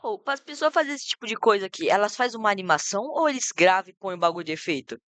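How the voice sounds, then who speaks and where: Quick, casual Brazilian woman, dry sound. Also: medium pitch, expressive, a bit bright, dry recording. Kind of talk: casual reaction chat.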